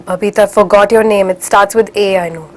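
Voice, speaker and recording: A young woman teaches an online English class for kids in Indian English, speaking a little fast in a steady, mid-range voice. She's encouraging, mixes in Hindi phrases, and sounds slightly stuffy from a cold.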